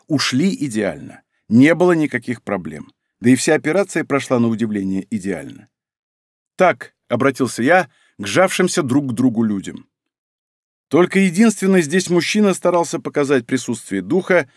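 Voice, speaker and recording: Lively male audiobook narrator, dry sound. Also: on the high side, no room sound. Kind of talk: first-person audiobook narration.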